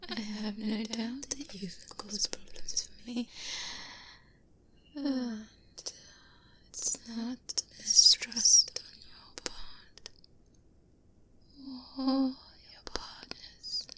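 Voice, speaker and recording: A woman playing a courteous but quietly menacing vampire in a formal, hushed, whispered ASMR roleplay, close to the microphone. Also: fairly high pitch, wildly swooping pitch, heavily acted. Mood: grave, wounded. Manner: formal, deliberate, hushed, measured diplomatic speech. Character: courteous, quietly menacing female vampire, protective, world-weary. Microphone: close-up binaural microphone. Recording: close binaural mic, clear background noise.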